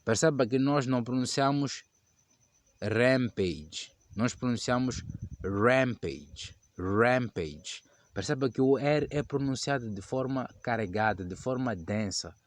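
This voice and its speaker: A man teaching English pronunciation to Portuguese speakers, slowly repeating each example word several times. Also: mid-range voice. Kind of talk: pronunciation lesson.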